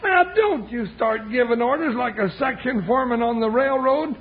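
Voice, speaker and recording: An actor voicing a good-natured, grumbling cowboy sidekick in a western radio drama, with a raspy, wheezy voice and a folksy drawl. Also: male voice, moderate pace, full character voice. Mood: playful protest. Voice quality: raspy, wheezy, cracked high voice. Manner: folksy drawling, flustered protests. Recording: dull vintage radio transcription.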